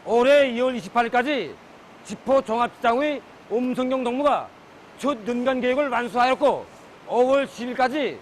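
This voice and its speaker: A speaker with a North Korean accent giving a formal, prepared report as a factory official in a news interview. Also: sits high. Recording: noisy on-site news interview.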